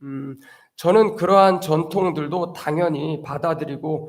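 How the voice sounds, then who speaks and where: A man is talking. His pitch is high. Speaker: Buddhist monk. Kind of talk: sermon. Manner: slow.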